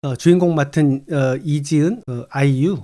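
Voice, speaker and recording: Guy teaching english, reads lines super slow then breaks them down, kinda high voice. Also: dark tone. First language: Korean. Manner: reads English phrases very slowly, then explains in Korean. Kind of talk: reading and explaining an English short story.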